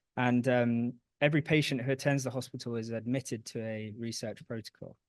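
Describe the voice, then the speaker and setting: A man with a British accent, medium pitch, fairly even intonation and a fairly quick pace. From UK. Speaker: research scientist. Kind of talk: conference talk. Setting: conference room with audience. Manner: halting, many fillers.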